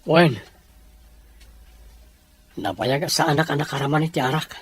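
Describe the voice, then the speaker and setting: A man's voice: a little high, unhurried, husky. An actor playing a lovesick, stubborn young man in a radio drama, emotional and insistent. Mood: downcast, determined.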